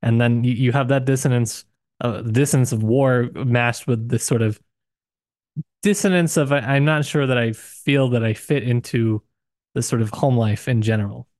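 Halting, musing man on a dry mic. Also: no echo. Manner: hesitant, many restarts and hedges, animated pitch jumps. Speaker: podcast co-host discussing a novel. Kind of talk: casual book discussion.

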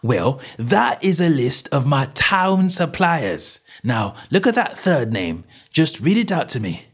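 Man voicing an irascible, high-pitched market poultry salesman. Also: very animated, takes it slowly, husky, full character voice. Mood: smug, challenging. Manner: snappish, combative, colloquial.

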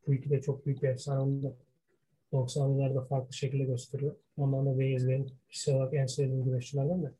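A man's voice: mid-range voice, little pitch movement, quick pace, warm tone, husky. A man co-hosting a casual discussion, speaking self-admittedly poor Turkish, often searching for words and slipping in English terms. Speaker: podcast co-host. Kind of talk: casual wrestling history discussion.

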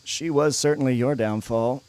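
A man's voice: mid-range voice, moderate pace, a little mellow, lightly acted. A man playing a frank, teasing teenage friend from a youth group in naturalistic audio drama dialogue. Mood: teasing, encouraging. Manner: casual, nudging, frank.

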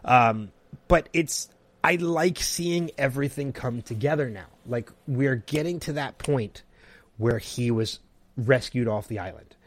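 Excitable man co-hosting a TV podcast. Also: medium pitch, a little slow. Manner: excitable, hesitant restarts. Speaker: podcast co-host. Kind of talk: casual TV review chat.

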